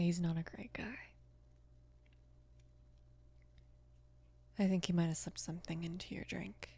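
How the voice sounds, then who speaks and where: A woman of about twenty playing a mafia boss's protective, casual daughter in an intimate ASMR roleplay, speaking softly and unhurriedly, often slipping into a whisper. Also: dry recording. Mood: gentle, concerned. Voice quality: soft, breathy whispering mixed with low murmur. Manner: hesitant, unhurried, casual with small pauses. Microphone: close microphone, dry.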